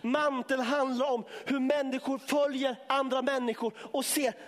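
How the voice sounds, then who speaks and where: A man preaching a sermon to his congregation, impassioned, building up to shouting and then dropping low. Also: little pitch movement, long reverb tail. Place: church sanctuary.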